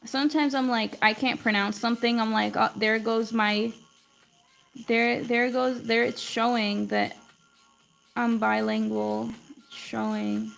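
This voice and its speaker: A young woman with a fairly high, gravelly voice full of fry talks through a live drawing stream. English is not her first language, and she rambles in a loose, chatty way, filling her sentences with "like.". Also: little pitch movement, measured pace, a bit bright, soft background music, rough recording. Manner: chatty, rambling, heavy use of "like". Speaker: art teacher streaming live. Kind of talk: casual livestream chat while drawing.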